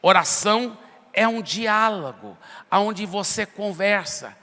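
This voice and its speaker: Male pastor, high bright voice, conversational sermon, church hall echo. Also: expressive, slow pace. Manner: conversational preaching, acts out prayers and dialogues. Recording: long hall reverb.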